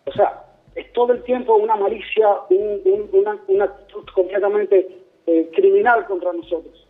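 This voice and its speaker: A man from Cuba calling in to a radio show, speaking haltingly and searching for words. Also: high-pitched, steady tone. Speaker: caller. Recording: thin phone-line audio.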